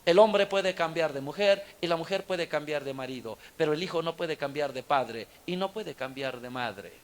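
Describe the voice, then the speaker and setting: A man's voice: a little high, normal speed, slight background noise. A man, a Catholic preacher telling a story in a sermon, dramatic and exhorting, acting out the dialogue.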